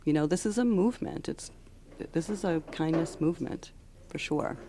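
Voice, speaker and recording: A woman giving unscripted interview answers as a charity founder, explaining earnestly and haltingly. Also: sits low, dark tone. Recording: on-location audio with background noise.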